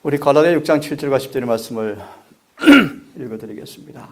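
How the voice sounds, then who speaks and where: A middle-aged pastor preaches a sermon in an earnest, measured way, including prayer requests. His ordinary-pitched voice is animated and has a gravelly edge.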